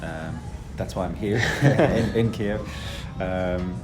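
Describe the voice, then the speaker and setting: A man in his thirties from South Africa, a fitness instructor answering interview questions in a relaxed, chatty way with many ums. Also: deep voice, slow.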